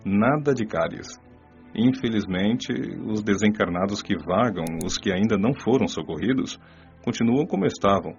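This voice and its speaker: A patient, wise male spirit mentor, acted by a man speaks in a low, calm voice. He explains and preaches gently. The recording is dull and lo-fi, with faint music behind him. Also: moderate pace. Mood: explaining. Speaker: teacher figure. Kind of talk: radio drama acting.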